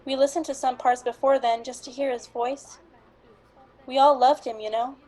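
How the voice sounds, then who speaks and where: A woman acts an earnest police colleague in mourning, her voice high. She speaks haltingly and apologetically, as in a small radio play. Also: fairly even intonation, a little mellow, natural voice. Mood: earnest, sorrowful. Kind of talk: amateur radio drama acting.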